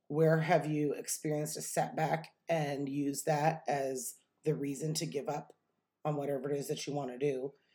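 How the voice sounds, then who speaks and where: A woman speaks at a very deep, low pitch. Her pace is fairly slow. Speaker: podcast host and real estate agent. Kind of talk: solo motivational podcast talk. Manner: loud, talks louder than needed.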